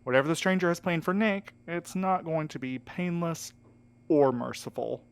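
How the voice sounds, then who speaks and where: An actor in an audio drama playing an earnest, protective friend, direct and plain-spoken with mild sarcasm. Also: male voice, a little high, normal speed, gravelly, clean tone. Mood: urgent. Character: earnest, protective, exasperated male friend and mediator.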